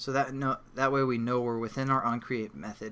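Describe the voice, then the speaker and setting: Recorded very cleanly over a silent background, a man speaks at medium pitch in a bright, sharp tone. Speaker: programming tutorial instructor. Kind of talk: tutorial. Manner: fast; casual, with fillers.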